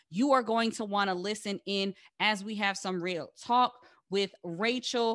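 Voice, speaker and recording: A woman with an American accent uses an ordinary speaking voice at a medium pitch, speaking fairly slowly with fairly even intonation against a quiet background. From New Jersey. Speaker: podcast host, military spouse. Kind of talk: interview; scripted intro.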